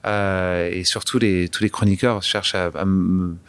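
A man's voice: low voice, level tone, measured pace, clear, resonant tone. Hesitant man with a light English accent. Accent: light English-tinged French. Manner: hesitant, many restarts and fillers. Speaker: guest singer-songwriter. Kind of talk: casual interview talk.

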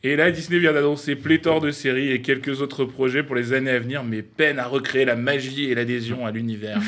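A man's voice: medium pitch, fairly even intonation, a little fast, fairly bright tone, a little hiss or hum. A young man giving a scripted, playful radio column, mock-pompous and laughing at his own jokes.

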